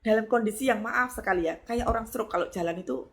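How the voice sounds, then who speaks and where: Woman pastor, middle-aged, preaching, lively storytelling, sudden high exclamations. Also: quick pace. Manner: animated, acts out voices with sudden high exclamations. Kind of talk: sermon.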